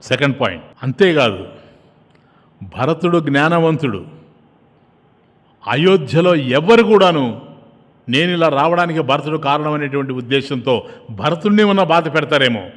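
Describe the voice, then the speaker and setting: A man's voice: a little high, normal speed, long pauses. Male preacher telling a sacred story. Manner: animated storytelling, acting out characters. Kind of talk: devotional sermon storytelling. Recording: long hall reverb.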